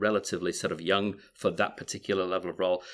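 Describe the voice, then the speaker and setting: A man speaks at a fairly low pitch with a Yorkshire accent. The recording is very clean, with a silent background. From Yorkshire, England. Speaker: author and business consultant. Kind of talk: casual interview conversation. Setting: studio.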